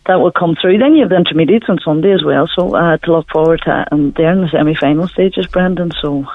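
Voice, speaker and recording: A woman's voice: low-pitched, fast, dry recording. A woman with a Donegal accent giving colloquial, conversational sports analysis in a radio interview. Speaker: sports pundit. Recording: thin phone line, dry, band-limited.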